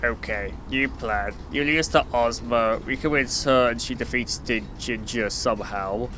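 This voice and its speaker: A man's voice: mid-range voice, normal speed, bright, forceful tone, natural voice. Man playing a impatient birdman over noisy background. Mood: brisk, impatient. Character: grumpy flying birdman hero, impatient and sarcastic. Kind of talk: audio drama acting. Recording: noisy amateur audio recording.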